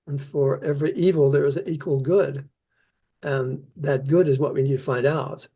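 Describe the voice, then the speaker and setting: An older man, born in the Netherlands and raised in New Zealand, answering interview questions about his scripture research in an earnest, measured way. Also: medium pitch, steady tone, warm tone, husky. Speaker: Isaiah scholar, keynote speaker.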